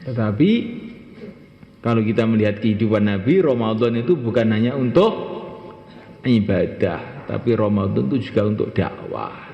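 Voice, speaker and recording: A man delivering a Ramadan sermon to a congregation, emphatic, drawing out key phrases slowly and leaping up in pitch on exclamations. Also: vocal fry. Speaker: preacher. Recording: echoey hall, dull lo-fi sound.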